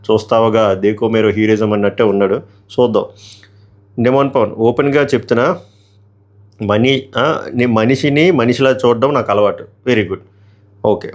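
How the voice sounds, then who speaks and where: A man's voice: lowish voice, brisk. Sarcastic man recapping a show. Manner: sarcastic, mimics housemates in raised voices. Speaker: reality show reviewer. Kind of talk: casual recap commentary.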